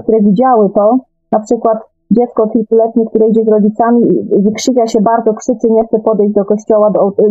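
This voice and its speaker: A woman's voice: mid-range voice, no echo. A woman speaking reflectively as a guest in a conversational radio discussion, repeating words and adding tag questions. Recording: thin phone-like line.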